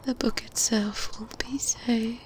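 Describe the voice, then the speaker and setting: A woman voicing a kindly, motherly good witch in a gentle, breathy ASMR roleplay whisper, teasing softly and reassuring as she goes. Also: fairly high pitch, steady tone, poor audio. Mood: earnest, reassuring. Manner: gentle, unhurried, coaxing, little hums. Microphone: close binaural microphone. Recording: close binaural mic with faint ambience noise. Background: medieval ambience sounds.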